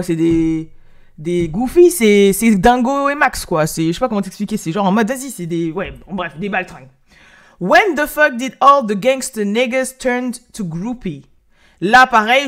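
A woman hosting a hip hop news show, giving casual, animated and slangy commentary into her phone. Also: fairly high pitch. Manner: animated and excitable, slangy, with frequent restarts.

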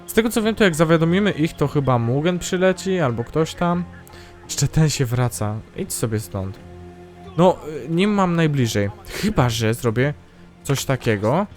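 A man's voice: a little high, expressive, moderate pace, faint music behind. Chatty male gamer commenting on play. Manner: chatty, self-mocking, talks to himself. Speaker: gaming channel host. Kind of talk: casual let's-play commentary.

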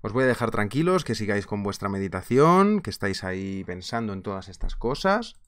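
Man, thirties, Spain Spanish accent, chatty online teacher, animated, webcam in small office. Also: on the low side, fairly quick. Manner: chatty and animated, laughing often, gesturing with hands. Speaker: trading instructor. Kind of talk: casual live webinar teaching.

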